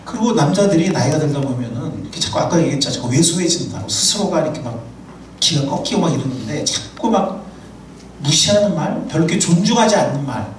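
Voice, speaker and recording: A male pastor preaching a sermon in a church, animated and humorous, telling personal anecdotes. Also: a little high, fast, a little hiss or hum. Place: church sanctuary. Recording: echoey hall from far off.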